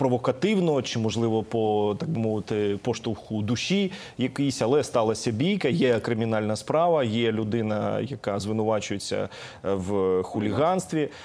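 Fairly slow male speech at a medium pitch. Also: ordinary pitch variation. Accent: Ukrainian. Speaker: TV host. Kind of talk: TV presenting. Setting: TV studio. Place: studio. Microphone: lapel.

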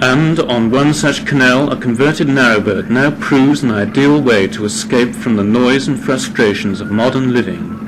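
A man at a moderate pace with very wide pitch swings and hardly any pauses, over noticeable background noise. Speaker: documentary narrator. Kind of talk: documentary narration. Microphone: old recording.

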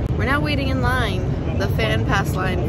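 A woman at a fairly slow pace, dry sound with no echo, and music in the background. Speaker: vlogger. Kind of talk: casual vlog chat. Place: street. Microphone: phone near.

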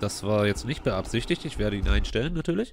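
A man talks at a very fast pace. Vocal fry is present in his voice. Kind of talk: casual let's play commentary.

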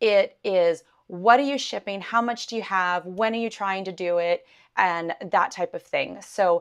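Speaking at a fairly slow pace, a woman shows ordinary pitch variation. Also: quiet background. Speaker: vlogger on island living. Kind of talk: casual vlog chat. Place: home room. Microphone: lapel.

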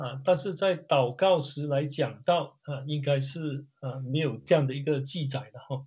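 Against a quiet background, a man talks at a very slow pace with a fairly high pitch. His voice is somewhat breathy, and his intonation is fairly even. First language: Mandarin Chinese (speaking French). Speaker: preacher. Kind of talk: sermon. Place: home room. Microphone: webcam.

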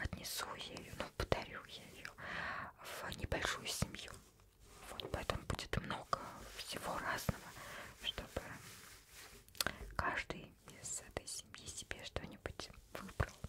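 Over loud background noise, a woman whispers, soft-spoken. She goes at a fairly slow pace with long, frequent pauses. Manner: soft ASMR whisper.

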